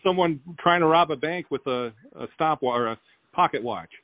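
A man's voice: on the high side, normal speed, no echo. A man hosting a casual local radio interview and podcast. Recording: tinny phone-like sound.

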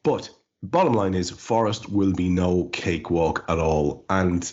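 A man's voice: sits low, a little slow, darkish tone. A man hosting a casual podcast chat who leads the discussion and puts questions to his co-hosts. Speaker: podcast host. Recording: dull lo-fi podcast audio.

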